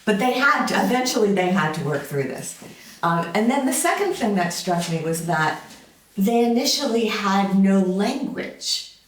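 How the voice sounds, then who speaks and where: A lecturer in their fifties giving an informal summer school talk, conversational and full of fillers, with wry asides. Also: mid-range voice. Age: 50s. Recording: roomy sound from a distant mic.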